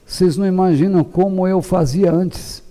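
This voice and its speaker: A middle-aged man with a Brazilian Portuguese accent, preaching a passionate sermon as pastor, shouting at peaks and then dropping low and calm. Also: moderate pace.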